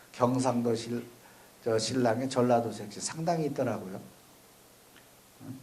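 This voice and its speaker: Male Buddhist monk, folksy conversational sermon, habitual "eh?" check-ins, average pitch. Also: a little mellow. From Chungcheong, South Korea. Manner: folksy, keeps checking in with the audience with "eh?". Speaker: Buddhist monk giving a dharma talk. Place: temple or university dharma hall.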